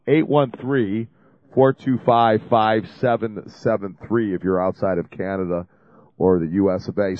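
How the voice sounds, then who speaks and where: A man's voice: lowish voice, no echo, highs cut off. A man hosting a call-in radio show, talking in a chatty, rambling, jokey way while he has a cold. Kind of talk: casual call-in radio talk. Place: radio studio.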